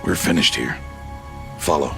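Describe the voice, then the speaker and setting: An actor playing a stern middle-aged tribal outcast hunter and mentor in a video game, speaking in a solemn, measured, commanding way. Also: male voice, a bass voice, creaky, music in the background, full character voice. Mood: solemn, instructive. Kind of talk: dramatic video game cutscene acting.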